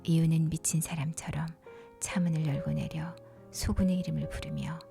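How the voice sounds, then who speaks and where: A woman whispers a bedtime story softly and breathily, leaning into a gentle, unhurried narration with short pauses between phrases. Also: low-pitched, steady tone, gravelly. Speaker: narrator retelling a film story for sleep. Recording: soft music behind the whispering. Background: music.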